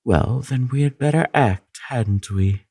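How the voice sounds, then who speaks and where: A man playing a scheming, manipulative royal advisor in a fantasy audio drama, with a sly, flattering, insinuating drawn-out delivery. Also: mid-range voice, creaky, no echo, clean studio sound.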